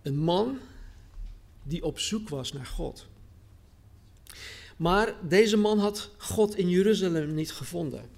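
Earnest preacher man, slightly high voice. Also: creaky, darkish tone. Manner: earnest, repeats phrases for emphasis, slows on key words. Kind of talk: sermon with scripture reading.

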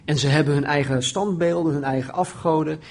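A man preaching a sermon, often raising his voice when quoting pleas and dropping low and quiet on solemn points. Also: a little fast. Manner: animated, voices the prophet's pleading with rising pitch.

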